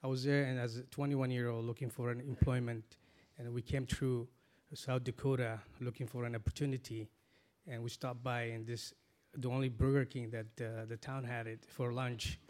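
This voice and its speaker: Man, forties, earnest, halting, restarts, panel guest. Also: medium pitch, level tone, a little mellow. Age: 40s. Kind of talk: panel discussion.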